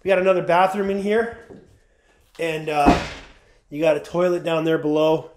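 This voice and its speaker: A man's voice: a little high, fairly even intonation, moderate pace, heavy background noise. A man in his forties with a runny nose, chatting casually to viewers as he explores an empty abandoned house on a handheld camera. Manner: chatty, keeps addressing viewers as guys. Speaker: urban explorer vlogger. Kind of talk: casual walkthrough narration.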